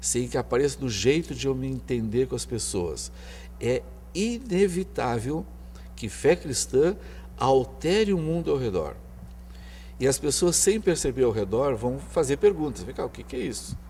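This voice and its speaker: Big swings in loudness mark this man's fairly slow delivery, which has long, frequent pauses. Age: 60s. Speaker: psychologist. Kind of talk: TV interview.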